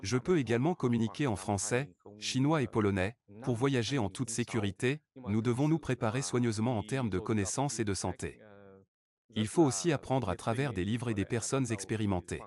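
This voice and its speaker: A man's voice: medium pitch, fairly quick, a little mellow, natural voice. A man reading a scripted voice-over translation of an interview for a news report. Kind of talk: scripted French voice-over of a travel blogger's interview. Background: background music.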